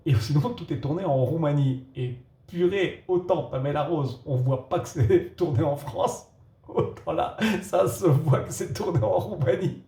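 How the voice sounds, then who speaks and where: A man with a gravelly, warm, relaxed voice talks through a film review in a loose, casual way. He trips over his words and restarts often, chuckling as he goes. The room around him is echoey. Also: on the high side. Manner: halting, with many restarts and chuckles.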